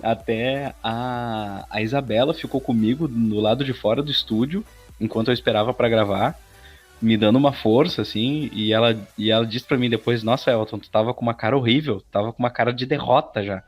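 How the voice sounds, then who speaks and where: A Brazilian man speaks as an interview guest in an informal, conversational style. His voice sits at an ordinary pitch, and he slips into quoted asides as he tells his stories. Faint music plays behind him. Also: a little fast. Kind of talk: casual interview chat.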